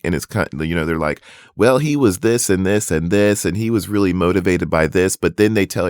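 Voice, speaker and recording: A man's voice: sits low, clear, resonant tone, no echo, clean studio sound. A man coaching voice acting in a casual, earnest tutorial. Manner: casual, conversational, earnest advice.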